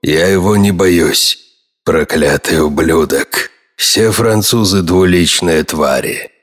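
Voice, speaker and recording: An actor playing a hot-tempered middle-aged king who speaks in a grim, menacing, slow and heavy way. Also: low voice. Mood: enraged. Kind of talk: audio drama dub.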